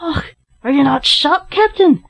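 A woman voicing an excitable, bold and loyal adventurer man in a storybook reading. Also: high voice, drawn-out words, no echo, pitched above the performer's own voice, heavily acted. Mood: astonished, triumphant.

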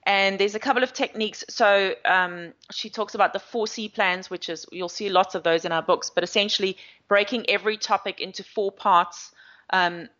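A woman's voice: mid-range voice, fairly even intonation, normal speed, a bit bright. South african lady coach rambling through interview answers, lots of ums, kinda muffled sound. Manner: chatty, explanatory, many fillers. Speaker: agile coach. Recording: slightly dull audio.

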